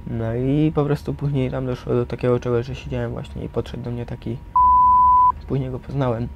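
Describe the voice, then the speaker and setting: A young man recalling his experiences casually and haltingly, in slangy speech peppered with tag questions. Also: mid-range voice, gravelly. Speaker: resident of a youth correctional centre. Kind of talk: casual personal recollection. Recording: some steady background noise.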